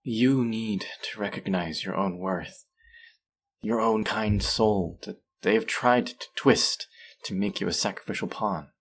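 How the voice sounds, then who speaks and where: Audio drama villain, male actor: low-pitched, possessive captor, measured and coaxing, smoothly condescending. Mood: tender, intense. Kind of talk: scripted roleplay audio drama.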